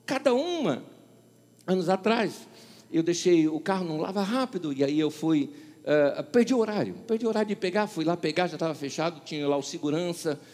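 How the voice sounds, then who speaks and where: A São Paulo pastor with a Paulistano Brazilian Portuguese accent preaches a sermon in a large hall, his voice a little high and brisk. He tells stories and acts out the dialogue with lively shifts.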